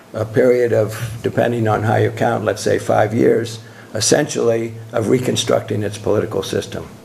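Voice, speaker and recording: Amid noticeable background noise and audible room echo, a man speaks at a moderate pace with an American accent. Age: 70s. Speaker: economics professor. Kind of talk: lecture Q&A. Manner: halting, many fillers.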